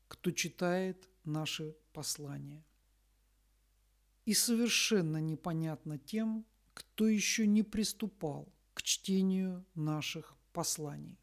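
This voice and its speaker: A woman reads a scripted spiritual message in a solemn, deliberate manner, pausing between short phrases. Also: lowish voice, a little mellow. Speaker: spiritual messenger reading a message.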